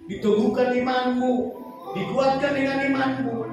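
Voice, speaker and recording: A male pastor preaching a sermon with emphasis, his delivery moving between loud, sing-song lines and low, quiet ones. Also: little pitch movement, moderate pace, over music. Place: church sanctuary. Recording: very echoey hall, voice far from the mic.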